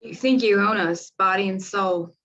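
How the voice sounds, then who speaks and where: Sharp, defiant, vengeful woman acted by a woman. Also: mid-range voice, fairly even intonation, normal speed, muffled recording, lightly acted. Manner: forceful, hard.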